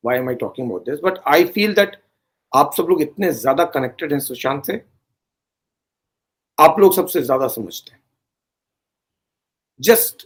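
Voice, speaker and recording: A man giving earnest, pleading commentary to his audience, slipping English phrases into his talk. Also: fairly high pitch. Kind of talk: earnest direct-to-camera commentary.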